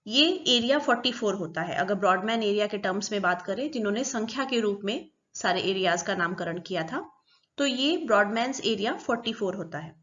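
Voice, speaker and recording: A woman's voice: fairly high pitch, a bit bright, dull audio. Woman explaining a psychology lesson. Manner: explains step by step, repeating terms. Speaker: psychology teacher. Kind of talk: recorded lecture.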